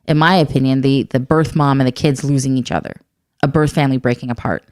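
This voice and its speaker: A woman's voice: a bass voice, fairly even intonation, quick pace, a little mellow, dry recording, clean studio sound. A woman in her forties co-hosting a podcast, talking candidly and reflectively in casual chat. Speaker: podcast co-host. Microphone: podcast studio mic.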